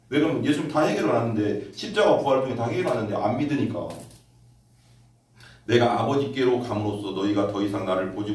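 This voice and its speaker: A man pastor preaching a sermon, telling stories and quoting scripture, his voice climbing high when he gets excited. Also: very echoey, far from the mic. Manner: storytelling, rises sharply in pitch when excited. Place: church sanctuary.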